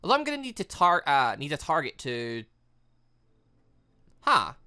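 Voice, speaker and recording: A man hosting a gaming video, thinking aloud and reading game dialogue in an excitable, animated way. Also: fairly high pitch, normal speed, clean tone. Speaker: gaming channel host.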